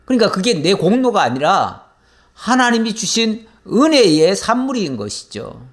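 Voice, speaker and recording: A man with a fairly high voice and a lively, swooping pitch explains scripture verse by verse as a pastor. He questions his listeners aloud and then answers himself, filling pauses with drawn-out sounds as he thinks. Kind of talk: verse-by-verse Bible lecture.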